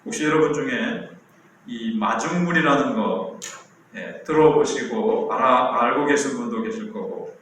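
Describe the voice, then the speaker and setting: A man's voice: medium pitch, a little slow, a bit bright, a little hiss or hum. A man in his sixties, a pastor delivering a sermon in a conversational, storytelling way with rhetorical questions. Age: 60s. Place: church sanctuary. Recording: very echoey church hall.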